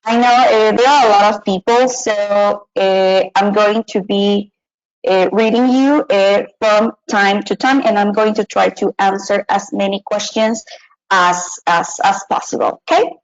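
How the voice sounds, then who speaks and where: A woman's voice: medium pitch, fairly even intonation, a little slow. A young woman from Mexico presenting a live online teaching webinar from a small room, hesitant with many fillers and restarts. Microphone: webcam and computer mic. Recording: dull lo-fi webinar audio.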